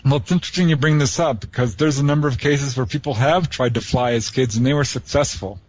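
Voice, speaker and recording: A man appearing as an author guest on a call-in radio show, explaining ideas calmly and steadily. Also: medium pitch, quick pace, highs cut off. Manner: calm explanatory, steady flow.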